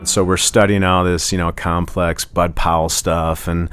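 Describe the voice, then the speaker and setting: A man's voice: low voice, little pitch movement, a little slow, fairly bright tone, smooth, faint music behind. A man guest in a casual interview, telling stories about his life as a musician, rambling with many restarts and "you know"s.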